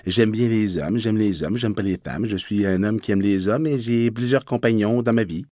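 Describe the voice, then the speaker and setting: A man plays a coy, hesitant male comedy character. The voice is lowered and soft-spoken, recorded dry. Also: moderate pace, no room sound, lightly acted.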